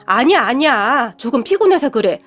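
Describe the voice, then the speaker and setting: A woman voicing a weary, proud middle-aged mother who sighs and pleads, speaking fairly high. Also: sing-song, moderate pace, a bit bright, exaggerated voice. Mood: hurt. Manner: sighing, pleading, stubborn.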